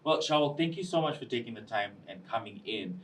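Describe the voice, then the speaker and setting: A man from Fiji, hosting a casual studio interview in a chatty, expressive way and tagging remarks with "eh?". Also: mid-range voice, fairly quick, slight background noise. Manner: chatty and expressive, with a habitual tag "eh?". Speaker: talk show host.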